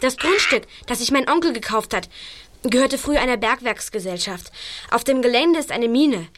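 High-voiced feisty Berlin girl. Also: expressive, moderate pace, fairly bright tone. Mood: defiant, earnest. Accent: Berlin German. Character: Ellie, feisty stubborn teenage girl. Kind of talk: 1980s German audio drama acting.

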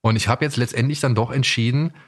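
A man hosts a relaxed conversational podcast. His voice sits at a medium pitch. He talks in a colloquial way and slips into mock quotations to make his points. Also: fast. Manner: colloquial, acts out imagined quotes. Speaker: podcast host. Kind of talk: casual chat.

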